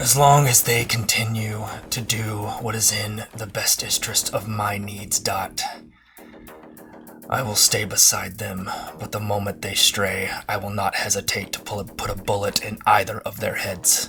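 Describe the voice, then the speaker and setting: Clear music plays behind a man using a put-on character voice. His pitch is fairly low and his pace moderate. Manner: cold, menacing.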